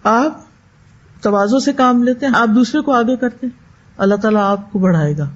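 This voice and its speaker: A woman giving a religious lecture as a teacher, lively and full of rhetorical questions, slowing into chanted recitation of verses. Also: fairly high pitch. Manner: animated, asks rhetorical questions and answers them. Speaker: Quran teacher. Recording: dull lo-fi recording.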